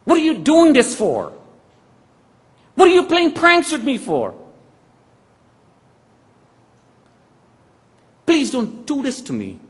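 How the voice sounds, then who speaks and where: A man's voice: very high voice, wildly swooping pitch, a little slow, big-room sound, voice pushed up, heavily acted. A man doing a frantic pleading wife.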